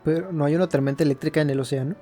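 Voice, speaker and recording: A man's voice: a little high, fairly even intonation, very fast. A man hosting a gaming video, casually commenting and reading game text aloud. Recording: loud game music behind the voice.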